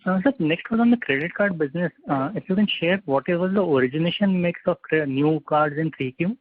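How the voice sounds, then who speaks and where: Tinny phone line, man, Indian accent, fairly high pitch, polite hesitant analyst questions. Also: brisk, a little hiss or hum. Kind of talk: polite question on a conference call.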